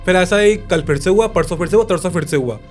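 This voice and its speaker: A high-voiced young man spins a spooky personal tale in loose, lively chat. He swears freely and acts out his own panic as he goes. Faint music plays behind him. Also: quick pace. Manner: animated, crude slang, acts out his own fear. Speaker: podcast guest, trekker. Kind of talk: casual storytelling in conversation.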